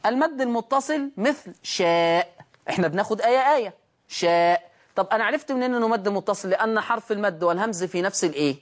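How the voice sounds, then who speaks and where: A man teaching Quran recitation rules on a TV program. He asks rhetorical questions, answers them, and chants the example words slowly. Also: high voice. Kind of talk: televised recitation lesson.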